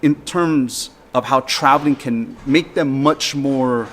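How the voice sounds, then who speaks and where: An American man hosting a casual conversation, talking emphatically and getting animated when he mocks how people talk. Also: mid-range voice, takes it slowly, slight background noise. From United States. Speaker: host.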